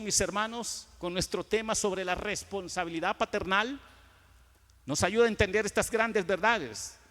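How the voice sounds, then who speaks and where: High bright-voiced Guatemalan pastor preaching. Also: male voice. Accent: Guatemalan Spanish. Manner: preaches with sudden loud swells, then drops to quiet asides; acts out dialogues with churchgoers. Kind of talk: sermon. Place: church sanctuary. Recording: long church reverb.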